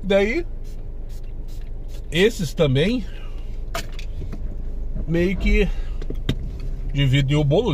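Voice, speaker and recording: A man's voice: fairly high pitch, darkish tone, a little hiss or hum. A man with a Rio Grande do Sul accent, a rideshare driver chatting casually and opinionatedly to his viewers from inside his car. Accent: Rio Grande do Sul Portuguese. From southern Brazil. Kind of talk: casual monologue while driving.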